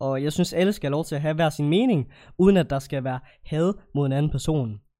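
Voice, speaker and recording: A man speaks at a moderate pace with lively intonation, his fairly high pitch paired with a dark, mellow tone. The recording is very clean, with a silent background. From North Jutland, Denmark. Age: 20s. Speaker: podcast host. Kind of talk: solo podcast monologue. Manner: halting, many fillers.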